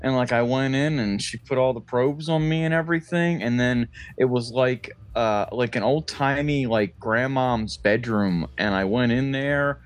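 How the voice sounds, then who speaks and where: A man's voice: medium pitch, normal speed, few pauses, no room sound. A man co-hosting a casual comedy podcast, talking in a sarcastic, exaggerating, profane manner. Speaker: podcast co-host.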